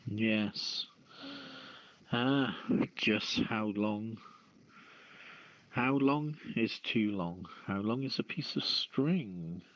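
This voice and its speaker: Slow-paced man hosting a radio talk show. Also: lowish voice, a bit bright. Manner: halting delivery with stumbles. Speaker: host of a radio call-in show. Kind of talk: reading news and hosting a discussion. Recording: roomy, dull lo-fi radio-style audio.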